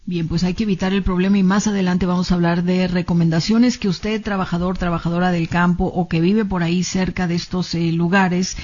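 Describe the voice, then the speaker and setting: A man hosting a health call-in radio show, smoothly guiding questions to a doctor and introducing callers. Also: high-pitched, flat delivery, a little fast, hardly any pauses, darkish tone. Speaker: radio host. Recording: dull lo-fi radio sound.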